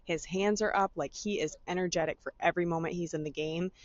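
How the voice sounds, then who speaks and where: Woman podcast cohost, chatty and animated, lots of "like"s, dry dull lo-fi audio. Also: lowish voice, quick pace, dry recording. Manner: animated, speaks with frequent "like" fillers. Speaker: podcast co-host. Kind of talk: casual sports recap chat.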